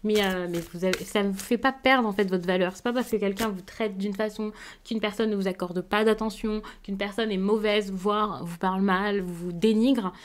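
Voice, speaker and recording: Woman, tarot reader, soft reassuring delivery, hesitant fillers, mid-pitched. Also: steady tone, normal speed. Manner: gentle, reassuring, with frequent hesitations. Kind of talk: casual tarot reading to camera.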